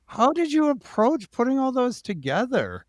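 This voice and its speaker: Male podcast host, notably high pitch, lively swooping intonation, dry sound, casual and conversational. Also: normal speed, dry recording. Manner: informal, thinking aloud with "like".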